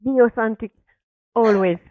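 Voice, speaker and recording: A woman's voice: a little high, normal speed, dry recording. An enthusiastic woman answering interview questions in short, emphatic bursts. Her voice comes through a tinny, phone-like remote call line, bone dry with no room sound. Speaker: guest, artist and bag designer.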